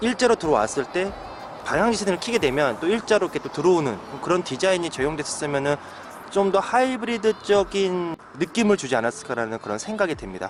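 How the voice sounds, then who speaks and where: Over noticeable background noise, a man talks very fast in a high voice with very wide pitch swings. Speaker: car reviewer. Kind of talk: car test drive review. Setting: in a car.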